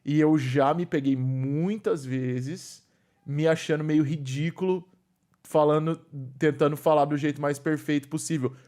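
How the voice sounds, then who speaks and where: A man from Brazil with a Brazilian accent, hosting a podcast and talking in a relaxed, slangy, hesitant way. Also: a little high, unhurried. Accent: Brazilian Portuguese. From Londrina, Brazil. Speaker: podcast host. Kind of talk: casual podcast conversation.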